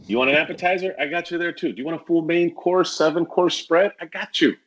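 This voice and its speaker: A man talking candidly as a guest on a casual podcast, acting out sales pitches as he tells stories. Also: fast, fairly bright tone. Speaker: podcast guest, real estate agent.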